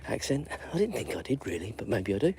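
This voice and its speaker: A man's voice: fairly low pitch, big pitch swings, quick pace, darkish tone, slight background noise. Chatty man strolling outdoors. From London. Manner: rambling, chatty, lots of fillers. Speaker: vlogger walking his dog. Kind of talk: live-stream walking chat. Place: outdoors on a residential street in drizzle.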